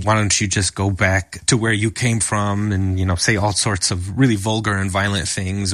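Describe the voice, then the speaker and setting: A man, an emergency physician, answering interview questions in an earnest, steady way. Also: fairly low pitch, no echo, clean studio sound.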